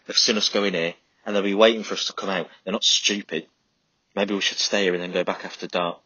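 A man voicing a loyal young soldier who speaks quietly and steadily. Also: low voice, steady tone, fairly quick, slightly rough, dry recording. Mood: quietly defiant. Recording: slightly dull lo-fi recording.

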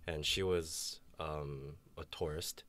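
Young man, very deep voice, frank, reflective, casual discussion. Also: fairly even intonation, slow pace, fairly bright tone. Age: young adult. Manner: reflective, frank, self-deprecating humor. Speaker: university student.

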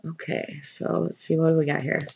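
A woman's voice: sits low, level tone, moderate pace, creaky, very noisy. Sniffly woman reading tarot, dull sound. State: getting over a bad cold, sniffly. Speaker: tarot reader. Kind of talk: casual tarot card reading. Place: indoors at a table in a room.

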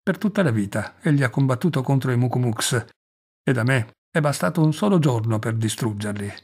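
A proud old tribal chief declaiming his deeds to his people in an audiobook story, read by a man. The voice is husky and slightly breathy, at a middle pitch. The delivery is solemn and boastful. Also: expressive, fairly quick, a little mellow.

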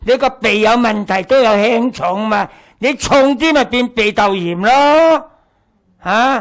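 An older man with a Hong Kong Cantonese accent gives a health lecture in a small hall. His voice sits very high and he talks slowly. He is blunt and teasing and repeats his points. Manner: blunt, joking, repeats himself. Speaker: teacher. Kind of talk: lecture with audience questions.

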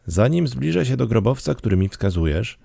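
A man's voice: mid-range voice, big pitch swings, a little fast, vocal fry, dark tone, slightly rough, no room sound, studio quality, pitched above the performer's own voice, exaggerated voice. A man reading an audiobook, voicing a terrified old male miser who desperately pleads with a spirit in a raised, anguished voice. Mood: anxious questioning. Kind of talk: audiobook character voice.

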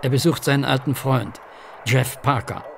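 An actor playing a polite, hesitant and fussy gentleman informant in a German horror audio drama. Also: medium pitch, fairly even intonation, vocal fry, natural voice. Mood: courteous, confiding. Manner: polite, halting, formal. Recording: faint background noise.

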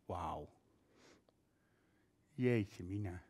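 A woman's voice: rumbling low, extremely slow, warm tone, husky. A woman hosting a live online nail workshop, enthusiastic as she reads out viewer comments and chats with her guest. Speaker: workshop host.

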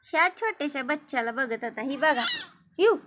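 A mother who vlogs films her pet cats at home, talking to them in teasing baby-talk for a casual home video. Her voice is high, pushed and bright, with lively intonation and a moderate pace.

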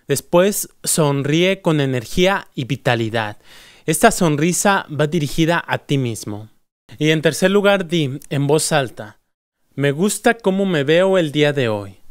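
A man's voice: on the high side, dry recording, studio quality. A man hosting a scripted motivational self-help talk, speaking earnestly and directly to the listener.

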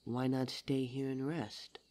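A performer voicing a suave, teasing demon lover in an intimate ASMR roleplay audio drama, smooth-talking and formal in address. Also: medium pitch, level tone, takes it slowly, dark tone, close to an everyday voice. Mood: teasing, smug.

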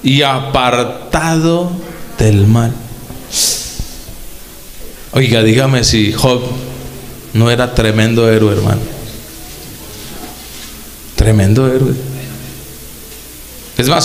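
A man preaching a Pentecostal sermon, emphatic and drawn-out, throwing rhetorical questions at the congregation. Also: mid-range voice, echoey room, long reverb tail, low-quality recording. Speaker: pastor.

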